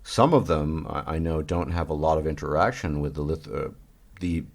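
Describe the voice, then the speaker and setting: A man hosting an interview conversation, asking thoughtful questions and pausing to search for words. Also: a bass voice. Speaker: host.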